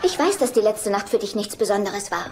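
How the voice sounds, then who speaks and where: A woman's voice: mid-range voice, big pitch swings, fairly quick. Sweet, eccentric young woman. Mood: sweetly composed. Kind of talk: dubbed sitcom dialogue. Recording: noisy sitcom soundtrack.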